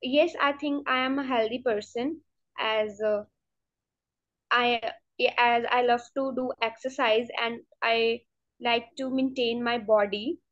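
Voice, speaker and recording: Young woman, Punjabi native, exam candidate, hesitant, many fillers, slightly high, dull lo-fi call audio. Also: fairly even intonation, slow, fairly bright tone. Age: student. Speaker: test candidate. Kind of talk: mock speaking exam answers. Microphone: video call.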